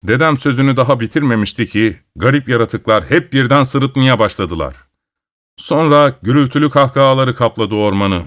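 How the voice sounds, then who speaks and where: A man reading a folk tale aloud with expressive delivery. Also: medium pitch, normal speed. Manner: expressive, shifting voices for characters. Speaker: storyteller. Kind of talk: dramatic story reading.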